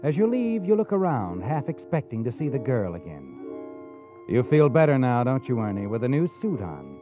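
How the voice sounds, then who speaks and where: Taunting radio mystery narrator. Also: male voice, medium pitch, huge pitch swings, moderate pace. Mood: knowing, suspenseful. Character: knowing, taunting male narrator of fate, omniscient and ominous. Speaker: host and narrator. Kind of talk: 1940s radio mystery narration in second person. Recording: muffled old radio recording with music.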